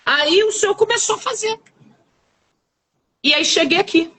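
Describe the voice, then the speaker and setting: A woman's voice: very high voice, normal speed, sharp tone. A woman giving a fervent church testimony with a Brazilian Portuguese accent, repeating key words for emphasis. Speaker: testifying minister.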